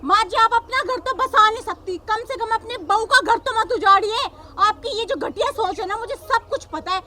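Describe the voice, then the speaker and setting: Actress as a young village daughter-in-law policewoman, defiant and preachy, bright high voice. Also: moderate pace, a little hiss or hum. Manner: combative, lecturing, repeats "samajh gaye".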